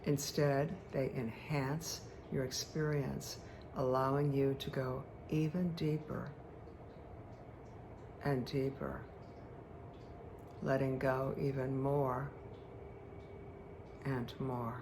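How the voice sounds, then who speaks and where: A woman leads a guided meditation in a very slow, even voice. She lets phrases settle with long, deliberate pauses, soothing and hypnotic, with a gravelly fry in the tone. Clear background noise sits under her voice. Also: extremely low pitch.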